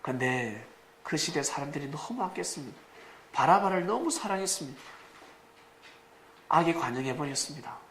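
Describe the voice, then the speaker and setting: A male pastor preaching a sermon with dramatic rises, sudden shouts and rhetorical questions to the congregation. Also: a little high, lively intonation, moderate pace, pauses often, a little hiss or hum. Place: church sanctuary. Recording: echoey church room, faint ambience.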